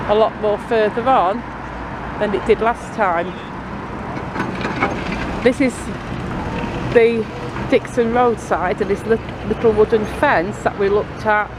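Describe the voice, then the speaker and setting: Chatty woman vlogging outdoors. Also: on the high side. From Blackpool, England. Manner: chatty, rambling, friendly asides to viewers. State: sniffly. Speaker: local vlogger. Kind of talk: casual walking commentary. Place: outdoors by a building site and tram stop. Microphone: handheld camera filming as she walks. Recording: loud outdoor traffic noise. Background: passing cars and trams.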